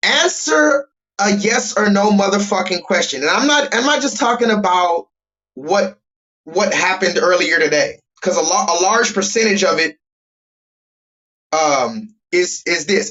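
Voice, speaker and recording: The man's high-pitched voice has lively intonation and very even loudness. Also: fairly slow pace. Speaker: streamer / show host. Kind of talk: monologue livestream rant. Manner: passionate, animated.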